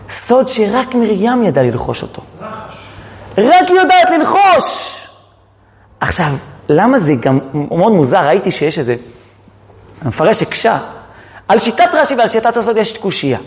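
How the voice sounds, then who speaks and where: Man preaching, high and lively voice, long hall reverb, muffled sound. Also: pauses often. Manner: questions the audience, swings between loud calls and hushed lines. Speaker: Torah teacher. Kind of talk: animated religious lesson.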